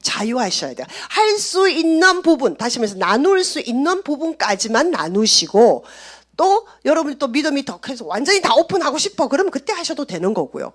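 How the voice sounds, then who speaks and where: A middle-aged woman pastor with a Gyeongsang Korean accent, preaching a sermon in a chatty way and acting out sample prayers. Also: on the high side.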